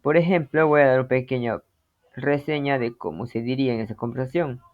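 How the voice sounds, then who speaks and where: A man's voice: mid-range voice, a little fast, phone-quality sound. A middle-aged man teaching a language lesson, patiently explaining and reading short example phrases.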